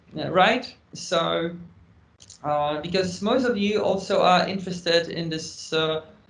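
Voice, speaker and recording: A man with a high pitch talks fairly slowly with ordinary pitch variation, and audible room echo can be heard. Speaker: composer and lecturer. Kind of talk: lecture. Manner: halting.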